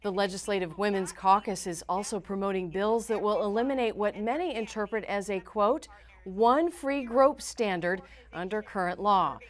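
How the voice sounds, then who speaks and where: A woman's voice: mid-range voice, normal speed, a little hiss or hum. A woman with an American accent reading scripted news in a formal, emphatic newsreader delivery. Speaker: news reporter and anchor.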